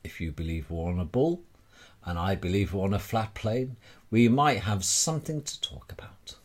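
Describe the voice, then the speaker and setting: A man delivering a rambling monologue straight to the listener in a wry, theatrical manner with deliberate dramatic pauses. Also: sits low, expressive. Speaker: speaker sharing personal views.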